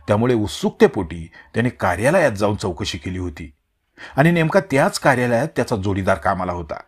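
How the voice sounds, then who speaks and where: Male audiobook narrator, husky, expressive pitch.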